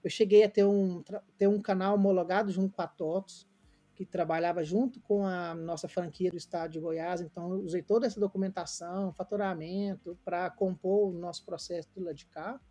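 Mellow-voiced Brazilian man in his late thirties. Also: sits high, steady tone, brisk, faint music behind. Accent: Brazilian Portuguese. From Brazil (Goiânia). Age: late 30s. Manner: earnest, reflective, many fillers and restarts. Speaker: interview guest. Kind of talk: casual remote interview, storytelling.

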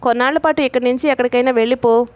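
A woman voicing a calm, concerned male friend while reading a novel aloud, in a measured advising tone. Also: fairly high pitch, dry recording, close to an everyday voice.

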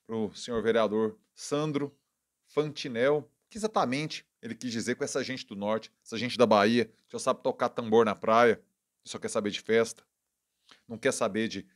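A channel host with a Brazilian Portuguese accent offers casual political commentary in a lowish voice with fairly even intonation. He sounds indignant and wry, correcting himself quickly as he goes.

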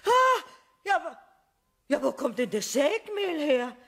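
A woman's voice: high-pitched, very animated, measured pace, a bit bright, heavily acted. An actress playing a polite, easily indignant lady customer in a radio play, courteous but prim. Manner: courteous, turning prim and miffed.

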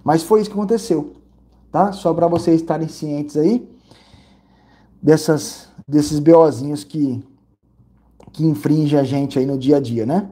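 A Brazilian man vlogging casually, telling an animated, repetitive story with lots of exclamations. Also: a little high, unhurried, long pauses. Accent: Brazilian Portuguese. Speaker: vlogger reviewing credit card perks and hotels.

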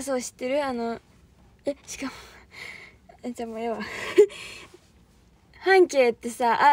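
A young woman with a Kansai accent, chatting on a livestream as an idol trainee, rambling and laughing often while thanking viewers. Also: fairly high pitch. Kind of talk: casual livestream chat.

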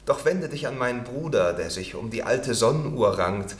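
A man's voice: medium pitch, animated, normal speed, roomy sound, lightly acted. A man voicing a proud male white rose bush in a storybook reading, stately and declaiming.

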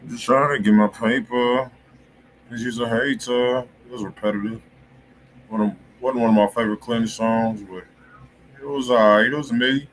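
A man's voice: mid-range voice, fairly even intonation, moderate pace. An American man hosting a music review stream with casual, slangy chat. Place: indoor room, live stream. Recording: noisy live-stream room audio.

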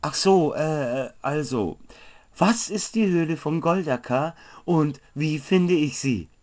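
Man acting a slow, stammering young wizard's apprentice. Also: fairly high pitch, expressive, a little mellow, pitched above the performer's own voice. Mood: confused. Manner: hesitant, stammering with filler sounds. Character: clumsy, easily annoyed male wizard's apprentice, sturdy build. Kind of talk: German fantasy audio story.

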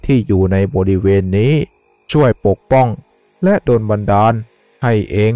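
A man voicing an old village holy man who gives a slow, grave blessing. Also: medium pitch, warm tone, dry recording, soft background music, close to an everyday voice. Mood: solemn.

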